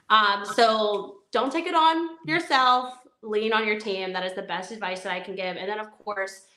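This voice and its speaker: A woman's voice: mid-range voice, pushed and bright, echoey room. A woman co-hosting a live podcast, chatting in an upbeat way and giving practical advice. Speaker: podcast co-host. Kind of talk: casual live podcast chat.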